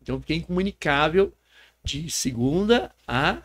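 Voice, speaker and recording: A man's voice: a little high, animated, normal speed, fairly bright tone. A man with a Brazilian Portuguese accent, a pastor earnestly telling a personal testimony as a podcast guest, often tagging his sentences with a question. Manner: earnest storyteller, often adds a tag question.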